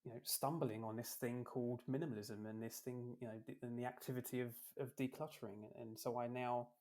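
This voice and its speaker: A man's voice: mid-range voice, steady tone, fairly quick, a little mellow. A British man from London, a podcast guest and author, talking casually with frequent ums and restarts. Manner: hesitant, with many ums and restarts, joking. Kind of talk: casual interview talk.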